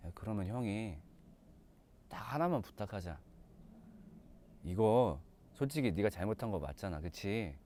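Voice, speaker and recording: A man voicing a gentle, self-sacrificing older brother who speaks softly and earnestly. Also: mid-range voice, very animated, moderate pace, a little hiss or hum, lightly acted. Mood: hushed. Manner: soft, earnest, tender.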